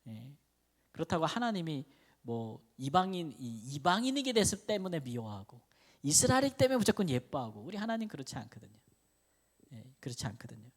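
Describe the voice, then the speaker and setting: A man's voice: a little high, very animated, fairly quick. A male pastor giving a midweek Bible lecture in a conversational way. He asks the congregation questions and answers them himself. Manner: acts out quoted speech with a raised voice.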